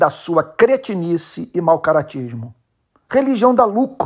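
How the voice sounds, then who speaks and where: A man's solemn voice at a fairly slow pace, with very wide pitch swings. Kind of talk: sermon-style devotional commentary. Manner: solemn, earnest, formal, pastoral; firm, indignant, measured, point-by-point.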